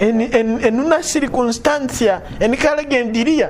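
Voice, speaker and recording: Speaking in a Rwandan accent, a man goes at a very slow pace with lively intonation. Background noise is noticeable. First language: Kinyarwanda (speaking Spanish). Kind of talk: religious talk at a seminar. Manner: halting, with repetitions and fillers.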